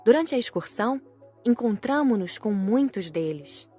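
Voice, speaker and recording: A woman's voice: on the high side, lively intonation, normal speed, a little mellow, husky. Brazilian woman narrating an audiobook over music. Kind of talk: scripted first-person narration of a spiritist book.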